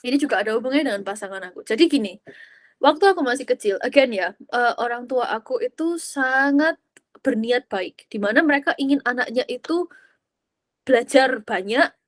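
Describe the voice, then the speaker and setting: A young woman hosts a podcast, sharing personal stories in a casual, reflective way over a dry recording. Her voice sits on the high side with lively intonation at normal speed, and she freely mixes in English phrases, laughs often, and acts out voices.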